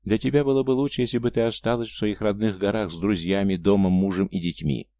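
A man voicing a torn, stubborn young mountain man who mutters his lines low and hushed. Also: fairly even intonation, fast talker, dry recording, lightly acted. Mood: troubled.

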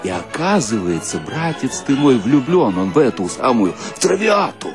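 A man's voice: mid-range voice, normal speed, over music. A man performing a colloquial comic monologue as a storyteller, with a folksy, theatrical delivery. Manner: folksy, theatrical, animated, breaks into mock singing.

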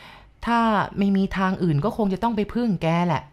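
A woman's voice: mid-range voice, a little mellow, close to an everyday voice. A woman voicing a worried village father. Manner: slow, pleading. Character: worried village father searching for his son.

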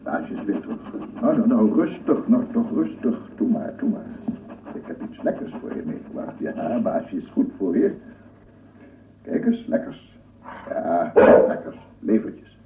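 An obsessive scientist, echoey and swooping. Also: male voice, fairly low pitch, very animated, measured pace, slight background noise. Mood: fond, coaxing. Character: obsessive lone scientist fondly coaxing his nervous dog. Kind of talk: radio play acting. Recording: echoey, distant, phone-like old radio recording.

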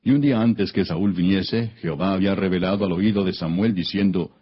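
A man reading the Bible as solemn scripted narration, in a measured, declamatory manner. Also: deep voice, breathy edge, highs cut off.

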